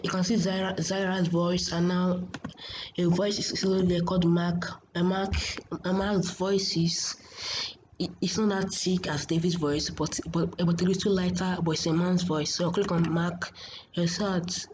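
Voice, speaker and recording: A woman giving a casual software tutorial in a hesitant, repetitive, halting way, as a host. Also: fairly low pitch, flat delivery. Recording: muffled, noisy home screen recording.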